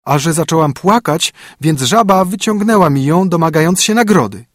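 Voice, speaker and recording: A man voicing a spoiled young princess in a high, whiny, breathless way. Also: expressive, normal speed, dry recording, studio quality, natural voice. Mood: fretful.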